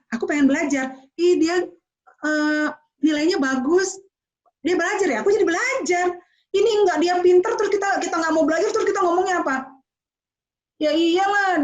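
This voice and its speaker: A woman giving a motivational talk to students, expressive and slipping into English phrases. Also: high-pitched, dull audio. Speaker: motivational speaker.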